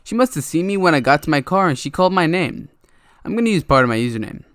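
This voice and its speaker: A man's voice: on the high side, very animated, quick pace, clear, resonant tone, no room sound, clean studio sound. A young man reading online stories aloud in a casual way, with laughing, stumbling asides. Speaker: reddit story narrator. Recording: soft music bed under voice. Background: quiet background music.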